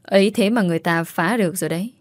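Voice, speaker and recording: A woman's voice: lowish voice, very fast, no echo, clean studio sound, close to an everyday voice. A woman doing a cold, scheming young wife. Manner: cold, calculating.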